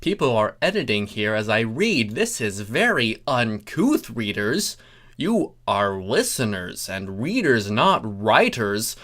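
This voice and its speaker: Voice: mid-range voice, sing-song, slow pace, fairly bright tone. A story narrator reading comic fiction aloud in a theatrical, mock-pompous manner, breaking off for asides.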